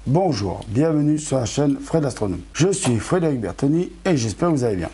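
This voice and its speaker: In a brisk, sing-song, warm mid-range voice, a middle-aged amateur astronomy YouTuber unboxes new equipment. He addresses his audience casually and chattily, fixing his own slips, while sounding somewhat tired and losing his voice.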